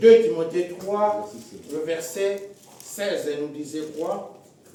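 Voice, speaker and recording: Amid noticeable background noise and audible room echo, a man speaks at a high pitch with ordinary pitch variation. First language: not French (speaking French). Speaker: pastor. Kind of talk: sermon. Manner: halting at times, searching for words.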